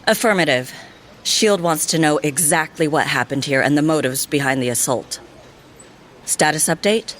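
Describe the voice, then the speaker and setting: An actress playing a stern senior female field agent in an audio drama, curt, deadpan and commanding. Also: low-pitched, normal speed, slight background noise, natural voice. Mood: stern, brisk.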